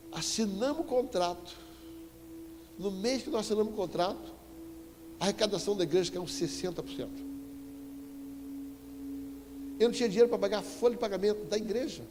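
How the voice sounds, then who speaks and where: Male Brazilian apostle, high-pitched and very animated sermon storyteller; echoing hall, soft music behind. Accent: Brazilian Portuguese. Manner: animated, emphatic storytelling with sudden loud exclamations. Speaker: apostle preaching. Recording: echoey church hall with faint music.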